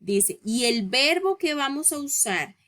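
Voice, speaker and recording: Slow, bright-voiced woman teaching English. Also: high voice, sing-song. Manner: patient, explains step by step, checks in with "¿ok?" and "¿ves?"; reads English rules slowly and deliberately. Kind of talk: recorded grammar lesson.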